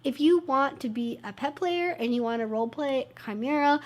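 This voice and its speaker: A woman's voice: sits high, lively intonation, normal speed. A woman hosting her own channel, talking casually to camera with a congested, stuffed-up nose and little energy. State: low on energy. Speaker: YouTube channel host.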